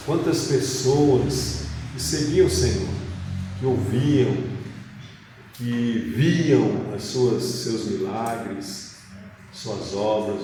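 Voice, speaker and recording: A Brazilian man preaching and reading scripture, speaking deliberately phrase by phrase in a church hall. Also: mid-range voice. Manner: deliberate, phrase by phrase, with rhetorical questions. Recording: very echoey hall, distant mic, faint noise.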